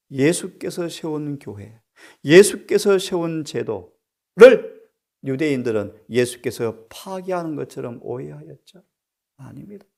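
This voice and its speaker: A middle-aged pastor preaching a sermon, often putting rhetorical questions to his congregation and swinging between soft, quiet phrases and loud, emphatic bursts. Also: medium pitch, creaky.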